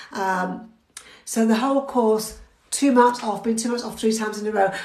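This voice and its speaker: A woman with a British accent speaks at a moderate pace in a fairly high pitch, her intonation fairly even. There is audible room echo along with noticeable background noise. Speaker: driving theory test instructor. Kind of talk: live stream lesson. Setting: live video stream. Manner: chatty, hesitant with fillers.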